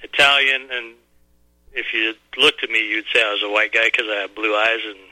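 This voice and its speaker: A man in his forties calls in to a radio talk show. His tone is very bright and forceful, and he speaks earnestly with some halting. The sound is dry and close. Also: on the low side, steady tone, no room sound, low-quality recording. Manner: earnest, rambling, a little halting. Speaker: caller. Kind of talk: phone-in call to a radio show.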